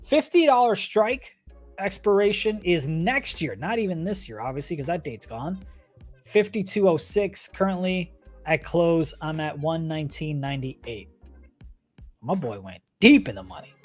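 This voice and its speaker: A man with a slightly high voice hosts a casual trading livestream over faint background music. He speaks informally and conversationally, addressing viewers directly as he gives live commentary. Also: expressive, normal speed. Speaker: livestream host and stock trader.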